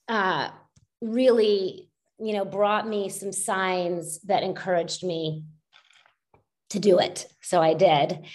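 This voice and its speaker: A middle-aged woman telling her own story as a guest on a podcast, in a reflective way, with many fillers and restarts. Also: medium pitch. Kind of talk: casual storytelling in a podcast interview.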